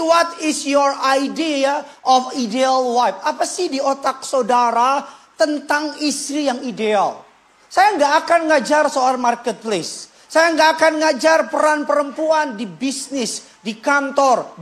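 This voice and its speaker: A male pastor preaching a sermon in a joking, animated way, leading the congregation in call-and-response. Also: very high voice.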